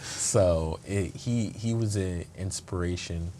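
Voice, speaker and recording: Deep-voiced man, earnest and reflective. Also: takes it slowly, warm tone, a little hiss or hum. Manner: earnest, reflective, frequent restarts. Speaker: guest, state attorney. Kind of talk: conversational interview.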